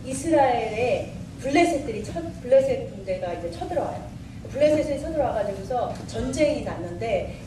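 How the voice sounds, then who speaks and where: A woman missionary preaching, retelling a Bible story with lively quoted dialogue. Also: a little high. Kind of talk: sermon storytelling. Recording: echoey room, far from mic, faint noise.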